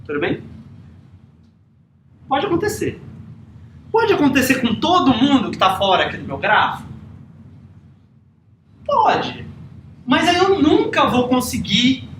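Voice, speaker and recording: A man's voice: very high-pitched, wildly swooping pitch, slow pace, long pauses, fairly bright tone, slight background noise. A man, a university lecturer, giving a classroom lecture in a casual manner and often checking in with the students. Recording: echoey classroom recording.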